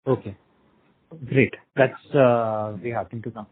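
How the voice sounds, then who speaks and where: A man asking informal questions as an investor on an earnings call, haltingly piecing them together over the phone. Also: mid-range voice, steady tone, husky. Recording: muffled narrowband phone line.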